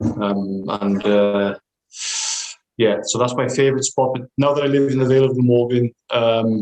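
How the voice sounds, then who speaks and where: A man with a South Welsh accent, at a moderate pace with fairly even intonation. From Wales, Amman Valley (Carmarthenshire). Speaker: actor. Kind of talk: casual chat.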